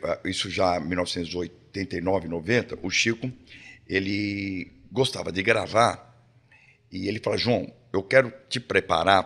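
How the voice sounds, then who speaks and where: A man's voice: fairly low pitch, slightly rough. An older man with a Brazilian accent, a podcast guest telling stories with energy and swearing now and then, acting out what people said. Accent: Brazilian Portuguese. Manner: lively, swears, acts out quotes. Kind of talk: animated storytelling.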